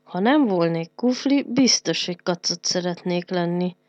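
Lady doing a little storybook kufli critter, playful and slow, dry close sound. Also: on the low side, animated, a little mellow, no room sound, highs cut off, natural voice. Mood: musing. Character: small excitable kufli creature.

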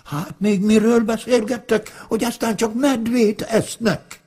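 A man's voice: extremely high pitch, fairly even intonation, darkish tone, husky, pitched above the performer's own voice. A man voicing a scared wolf in a told folk tale, urgent and pleading.

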